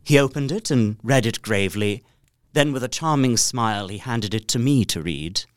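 A man's voice: mid-range voice, animated, moderate pace, smooth, dry recording, clean studio sound, close to an everyday voice. An actor playing an earnest young solicitor, narrating his journey formally in a dramatised Gothic story. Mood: composed, relieved. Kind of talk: dramatic first-person literary narration.

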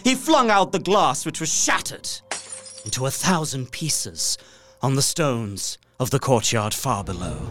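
A man's voice: medium pitch, a bit bright. An actor playing a polite, observant and uneasy young solicitor, narrating his journal earnestly and precisely in a gothic audio drama. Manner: precise, earnest, theatrical storytelling.

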